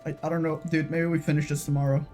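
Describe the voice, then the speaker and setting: A man's voice: a little high, flat delivery, quick pace, a little mellow, soft background music. A man streaming a game live, shaken and stressed, swearing and repeating himself.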